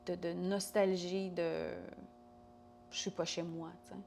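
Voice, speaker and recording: A woman's voice: on the low side, little pitch movement, a little slow, vocal fry, a little mellow, a little hiss or hum. Hesitant woman with a foreign accent. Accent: non-native French. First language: not French. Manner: hesitant, many restarts and fillers. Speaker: podcast guest. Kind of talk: casual conversation.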